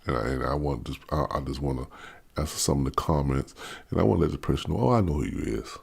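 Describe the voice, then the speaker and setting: Quick-paced and lively in intonation, his very deep voice comes across creaky and husky. This vlogger in his fifties, with a DC-area accent, delivers an unscripted opinion rant to camera that's blunt, repetitive, and marked by stammered restarts.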